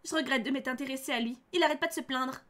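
A woman's voice: sits high, very fast, fairly bright tone. A woman reading a sulky young man.

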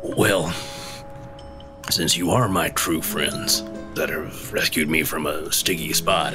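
Man doing deep, earnest former adventurer. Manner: halting, earnest. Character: gentle, earnest former adventurer, male, rescued friend.

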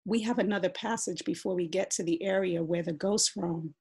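A woman doing a calm, patient craftsman. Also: on the low side, breathy edge. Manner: patient, unhurried.

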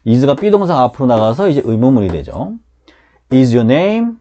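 Male grammar teacher for beginners, animated delivery, mellow tone, a little dull sound. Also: mid-range voice, a little slow. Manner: lively, drills students with call-and-repeat. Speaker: English teacher.

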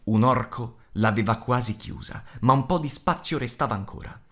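A man narrating an audiobook in an expressive, measured storytelling manner. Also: medium pitch.

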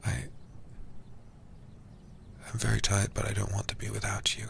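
Casting: male actor as tired, devoted knight for intimate ASMR role-play; low, gravelly, halting, tender delivery. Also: completely flat delivery, slight background noise. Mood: exhausted, tender. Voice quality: breathy soft voice with gravelly low edge. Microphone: close microphone.

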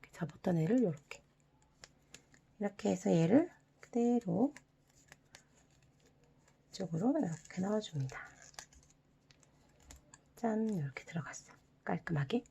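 A young woman hosting an origami tutorial for children, giving soft, half-whispered step-by-step instructions with playful sound words. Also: mid-range voice, lively intonation, normal speed, creaky, pauses often, husky. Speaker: origami channel host.

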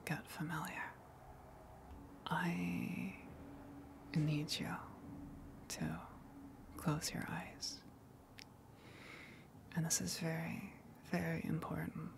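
A woman playing a gentle, lonely sea monster in an ASMR roleplay, coaxing softly in a breathy, soothing whisper. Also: sits low, flat delivery, noisy background, heavily acted. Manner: slow, soothing, coaxing, long pauses.

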